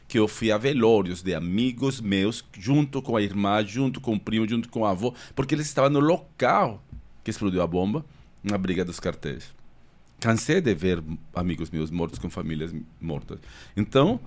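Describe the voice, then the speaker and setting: A man's voice: low voice, darkish tone. A middle-aged man from Colombia, a native Spanish speaker with a Colombian accent, giving an earnest personal testimony as a podcast guest and growing emphatic as he speaks. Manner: earnest, grows emphatic when stirred. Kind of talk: testimony in conversation.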